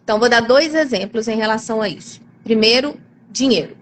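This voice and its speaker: A woman's voice: on the high side, a little fast. A woman with a Brazilian accent talking animatedly in a live-stream conversation, acting out quoted voices as she explains. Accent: Brazilian Portuguese. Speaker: guest speaker. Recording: faint background noise.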